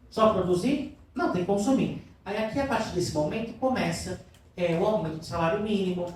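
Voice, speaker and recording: A high-voiced man gives a lively literature lecture to a class, often pausing to ask whether everyone is following. He is heard from a distance in a very echoey room, with faint noise underneath. His tone toward the students is affectionate. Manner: keeps checking in with students, asking questions. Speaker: literature teacher. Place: classroom in a cultural center.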